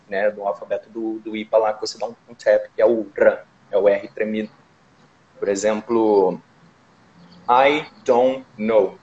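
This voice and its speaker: A man's voice: lowish voice, a little mellow, highs cut off, a little hiss or hum. A man with a Brazilian Portuguese accent hosting a casual chat, explaining with examples and tag questions. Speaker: host.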